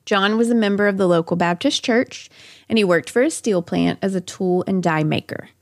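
A woman's voice: medium pitch, moderate pace, no echo. Woman podcast host doing true crime storytelling, chatty little asides, dry studio-like sound. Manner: chatty asides amid narration.

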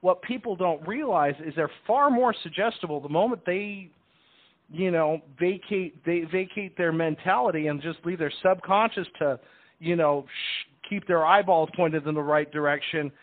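A man's voice: on the high side, moderate pace. Talkative man on a tinny phone line. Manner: talkative, explanatory, with repeated words and false starts. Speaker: stage hypnotist, interview guest. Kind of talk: casual radio interview.

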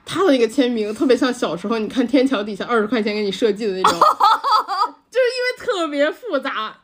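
A woman's voice: fairly high pitch, sing-song, moderate pace, pauses often, a bit bright, a little hiss or hum. A woman from China telling travel stories in casual podcast chat, laughing often. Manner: chatty storyteller, laughs often. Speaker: podcast co-host.

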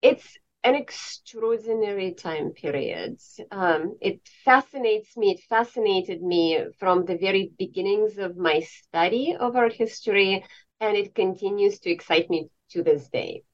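A woman's voice: medium pitch, measured pace. A woman from Estonia, an art history professor, talking conversationally as an interview guest. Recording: dull, lo-fi connection.

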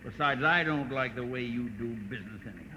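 An actor playing a jovial, shifty crook boss who runs a garage, chuckling and wheedling in a 1940s radio crime drama. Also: male voice, mid-range voice, fast, background noise, natural voice. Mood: gruff, bossy. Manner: chuckling, smug, wheedling, slangy. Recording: muffled vintage radio recording.

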